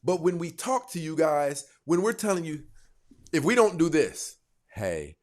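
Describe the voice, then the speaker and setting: A man hosting a dating advice stream, lecturing his viewers in a casual, animated way. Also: fairly high pitch, a little slow. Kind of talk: casual live commentary.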